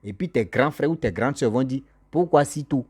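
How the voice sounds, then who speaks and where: A man's voice: medium pitch, lively intonation, moderate pace, darkish tone, slightly rough. A man lecturing his viewers in a monologue, scolding them and repeating his points as he addresses them directly. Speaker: social commentator. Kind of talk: moralizing monologue to camera.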